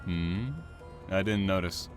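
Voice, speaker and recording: An actor playing a reserved, kind, businesslike train driver in a naturalistic audio drama. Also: male voice, sits low, steady tone, slow pace, music in the background.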